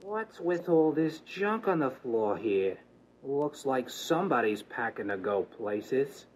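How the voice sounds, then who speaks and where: A man's voice: mid-range voice, big pitch swings, slow, breathy edge, heavily acted, poor audio. A man playing a distrustful, hot-tempered gangster in a 1930s style radio drama, slangy and accusing. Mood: angry suspicion.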